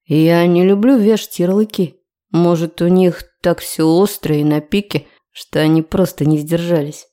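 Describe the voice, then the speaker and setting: Женщина читает нахального молодого мужчину, поддразнивает, тянет слова. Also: female voice, fairly low pitch, fairly even intonation, moderate pace, dark tone, lightly acted. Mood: teasing. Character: cocky teasing young man. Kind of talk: audiobook character reading.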